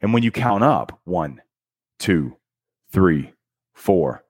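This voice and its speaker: Male host, motivational book talk, animated pitch, dry close sound, punchy emphatic delivery. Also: slow pace, slightly rough, no room sound. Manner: energetic and emphatic, with dramatic counting and punchy one-word beats; casual slang like "dude" and "bro".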